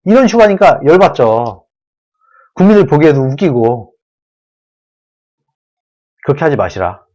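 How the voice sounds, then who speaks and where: Man pleading in a lively commentary monologue. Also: on the high side, moderate pace. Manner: earnest, pleading, repeats and rephrases points. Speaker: political commentary channel host. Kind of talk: solo political commentary monologue.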